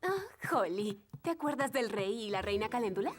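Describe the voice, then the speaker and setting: A woman's voice: on the high side, sing-song, moderate pace. A woman voicing a polite, genteel fairy queen in a children's cartoon, in Latin American Spanish. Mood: gracious. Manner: polite, regal. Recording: music behind.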